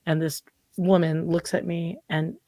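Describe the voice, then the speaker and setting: Podcast guest, woman, 40s; lowish voice, dry close sound, chatty and animated, heavy on fillers. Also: takes it slowly, no echo. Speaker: podcast guest, marketing consultant. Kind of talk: casual interview chat.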